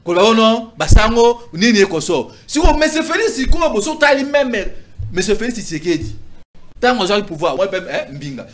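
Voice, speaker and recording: A high-voiced man in his thirties makes his case in a studio debate, his pitch swinging widely as he gestures and stammers through restarts. He talks into a lapel mic. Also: very animated, a little fast, a little hiss or hum. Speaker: political commentator. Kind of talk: heated talk-show debate.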